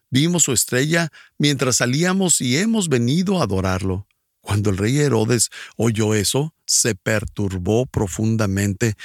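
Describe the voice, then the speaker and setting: A man's voice: on the low side, no room sound, studio quality. A man preaching a recorded sermon in Spanish, earnest and asking listeners direct questions.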